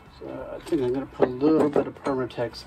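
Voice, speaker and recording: A man talks at a moderate pace. Loud music plays in the background. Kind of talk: tutorial. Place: garage. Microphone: phone near.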